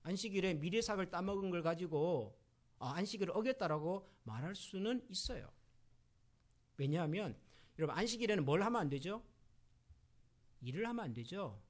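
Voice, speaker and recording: A man's voice: sits high, lively intonation, moderate pace, pauses often. A middle-aged man preaching a sermon as pastor, asking the congregation questions and acting out quoted voices. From Korea.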